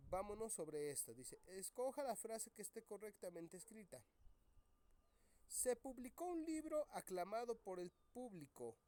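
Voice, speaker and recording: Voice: mid-range voice, very animated, a little slow. Teacher thinking aloud through exam answers. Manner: reads options aloud, thinks out loud. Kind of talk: classroom exam review.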